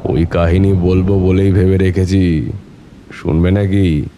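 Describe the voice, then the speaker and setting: অভিনেতার কণ্ঠে ধীর, গম্ভীর গলার তান্ত্রিক গল্পকথক পুরুষ. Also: male voice, sits low, steady tone, mellow, a little hiss or hum. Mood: reflective, unhurried. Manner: unhurried, reflective raconteur addressing listeners. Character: reminiscing seasoned tantric storyteller, worldly wandering holy man. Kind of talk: scripted audio-story narration in character.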